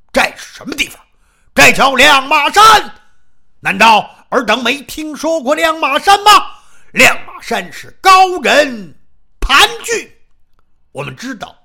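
A storyteller voicing a burly, boastful mountain guardian with a loud, hollow, booming voice who declaims and blusters. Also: vocal fry, full character voice. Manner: blustering, declaiming, laughs heartily.

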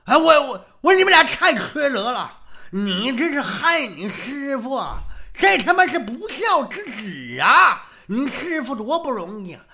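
A man's voice: high voice, sing-song, normal speed, creaky, pushed and bright, heavily acted. A man voicing a cowardly, self-pitying old master in a storytelling performance, blustering and complaining repetitively. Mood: indignant.

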